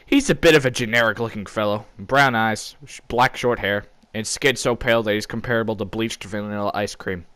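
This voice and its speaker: A man's voice: fairly low pitch, brisk, few pauses, fairly bright tone, no echo. Man telling a comic story, dry sound. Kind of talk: informal comedic storytelling.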